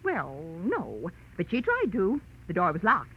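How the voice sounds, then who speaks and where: A low, husky American busybody spinster, prim and scandalized, her chatter swooping wildly. She is a gossipy neighbor in a 1940s radio play, heard on a muffled old recording. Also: huge pitch swings, a little slow, exaggerated voice. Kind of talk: 1940s radio character acting.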